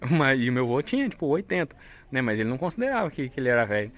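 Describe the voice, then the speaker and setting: A young vlogger with a Brazilian Portuguese accent races through nostalgic family stories as he tours his grandparents' old house, frequently closing with a question tag. His mid-range, fairly bright voice is very animated and chatty.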